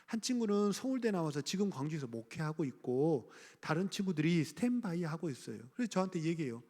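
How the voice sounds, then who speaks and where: Echoing through a church hall, a middle-aged man from Gwangju, South Korea delivers a sermon as pastor in a fast, sing-song voice, slightly high and darkish. He keeps it conversational, quizzing the congregation and chuckling.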